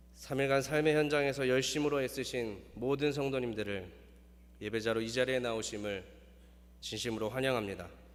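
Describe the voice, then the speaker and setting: Audible room echo follows a man's voice. He keeps a moderate pace with ordinary pitch variation. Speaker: pastor. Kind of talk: sermon. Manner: speeds up when preaching.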